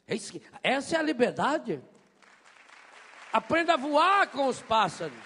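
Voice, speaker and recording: A priest preaching a sermon, telling stories in an animated way and mimicking voices. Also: male voice, very high-pitched, moderate pace, some chatter behind, slight background noise. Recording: long hall reverb.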